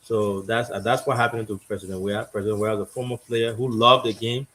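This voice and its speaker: A man's voice: lowish voice, steady tone, brisk, fairly bright tone, slight background noise. A man hosting a political talk show, speaking in a loose, conversational way and thinking aloud as he goes.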